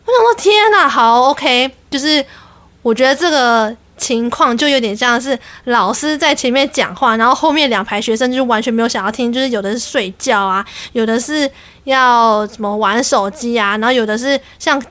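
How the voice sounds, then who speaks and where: A young adult woman tells a story on her podcast in an animated, exasperated way. Her voice is high. The recording is dry and close. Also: fairly quick, dry recording. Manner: animated, exasperated, quotes people. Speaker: podcast host. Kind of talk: casual storytelling.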